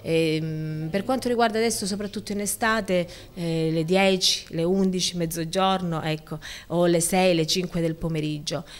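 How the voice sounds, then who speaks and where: A woman's voice: lowish voice, fairly even intonation, normal speed, hardly any pauses. A woman in her forties, an emergency room doctor, answering a reporter in a hospital corridor and hesitating over her words with many fillers and restarts. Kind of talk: on-the-spot news interview. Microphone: handheld reporter microphone.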